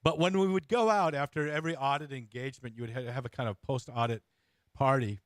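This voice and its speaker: A man hosting a casual interview, informal and bantering, with halting phrasing. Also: medium pitch, no room sound. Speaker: interview host. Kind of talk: casual, jokey chat.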